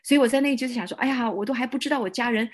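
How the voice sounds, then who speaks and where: A woman pastor giving a personal testimony, telling her story in a lively way and acting out her own prayers. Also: a little high, racing.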